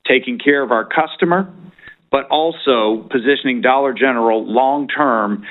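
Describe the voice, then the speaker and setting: A man speaking as a company executive answering questions on an earnings call, in a measured, halting corporate manner. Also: mid-range voice. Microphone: conference call line. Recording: narrow-band conference phone line.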